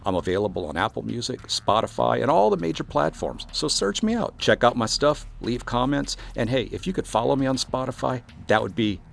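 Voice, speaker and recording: A man with a mid-range, gravelly voice hosts his own solo podcast as a composer, giving a motivational monologue on how an artist might define success. He talks briskly with lively intonation and few pauses, sounding earnest and encouraging.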